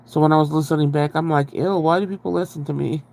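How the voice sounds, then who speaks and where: Nasal and congested from a cold, this livestream host chats in a rambling way and greets viewers. His voice is on the high side, creaky and darkish, delivered fast in a steady tone, and he's so close to the mic that his breathing comes through.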